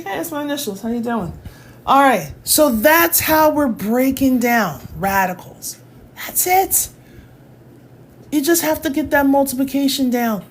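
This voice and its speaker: Woman math tutor going live on her phone, teasing the chat, kinda loud and laughy, bit of background hiss. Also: fairly high pitch. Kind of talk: casual livestream lesson.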